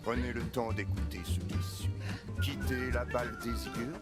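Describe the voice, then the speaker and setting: A solemn, grave announcer voice in a horror game, voiced by a man, formal and measured. Clear game music runs under it. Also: medium pitch, close to an everyday voice.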